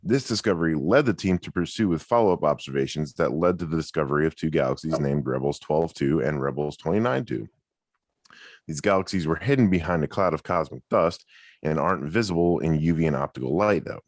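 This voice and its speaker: Deep-voiced man hosting a podcast. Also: brisk, no echo, clean studio sound. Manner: joking, stumbles over hard words while reading. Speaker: podcast host. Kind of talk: casual comedy chat and news reading. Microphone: video call.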